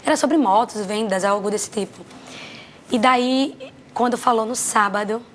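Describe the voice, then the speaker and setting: Young brazilian woman, higher voice, earnest testimony, faint background noise. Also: measured pace. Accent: Brazilian Portuguese. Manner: emotional, earnest storytelling. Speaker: guest, journalist and former model. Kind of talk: personal testimony on a talk show.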